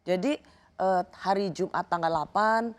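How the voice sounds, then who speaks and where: A woman's voice: on the low side, moderate pace. A woman hosting a TV interview, asking short, probing follow-up questions. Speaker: talk show host.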